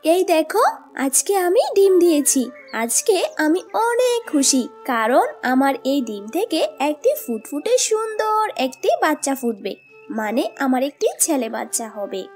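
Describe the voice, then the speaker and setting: Woman playing a high-voiced, snappish selfish mother bird. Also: big pitch swings, measured pace, a little mellow, faint music behind. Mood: delighted, boastful. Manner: whiny, snappish, dismissive. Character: selfish, sulky mother bird who wants a son. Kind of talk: children's cartoon acting.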